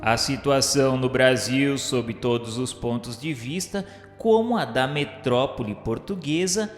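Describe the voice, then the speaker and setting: Echoey, solemn Brazilian male narrator. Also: mid-range voice. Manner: solemn, formal literary delivery. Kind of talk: scripted radio novela narration. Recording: echoey long reverb, music behind. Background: music.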